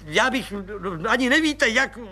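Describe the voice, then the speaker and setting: Man doing fussy old army colonel, gushing, voice jumps high and bright. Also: lively intonation. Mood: effusive. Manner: pleading, then booming and effusive.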